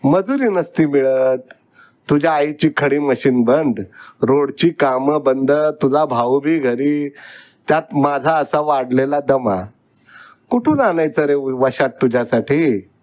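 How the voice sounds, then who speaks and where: A man's voice: medium pitch, takes it slowly, a little mellow, natural voice. A man voicing a poor older village father who speaks in a rustic, coaxing way.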